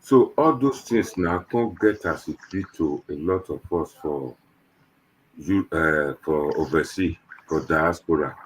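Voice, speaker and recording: A man's voice: a bass voice, unhurried, a little hiss or hum, poor audio. A man with a Nigerian accent hosting an online panel show in Nigerian Pidgin, talking to viewers in a casual, rambling, conversational way.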